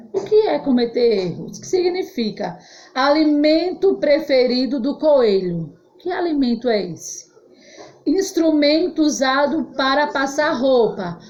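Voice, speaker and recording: A woman teacher with a Brazilian Portuguese accent, giving a children's phonics lesson, drawing out syllables slowly and having the class repeat after her. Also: sits high, darkish tone. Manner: slow, drawn-out syllables, call-and-response drilling. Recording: dull lo-fi recording.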